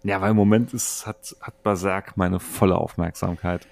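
A man's voice: low voice, fairly even intonation, normal speed, creaky, a little mellow. A middle-aged man chatting casually as a podcast co-host, with a wry, self-mocking manner. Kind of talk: casual chat about games and films.

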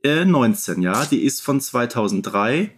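A man co-hosting a podcast in a casual, measured, explanatory way. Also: mid-range voice, big pitch swings, husky. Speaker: podcast co-host.

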